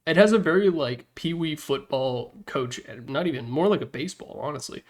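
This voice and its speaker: A man's voice: a little high, normal speed. A man giving casual, opinionated video game commentary as a presenter, speaking informally with slangy emphasis. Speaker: presenter ranking game announcer packs.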